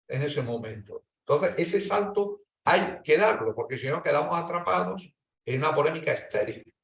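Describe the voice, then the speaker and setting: A man with a Spanish accent speaking on an academic panel, talking in long winding stretches with restarts and lively rises in pitch. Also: gravelly. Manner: discursive, hesitant restarts, animated rises. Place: lecture hall. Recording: echoey hall, distant mic.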